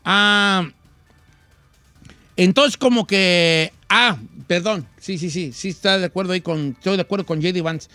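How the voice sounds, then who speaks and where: A man's voice: high voice, unhurried, sharp tone, no echo, faint music behind. A Mexican man hosting a comic news chat, joking in slang with many restarts. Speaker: news show host.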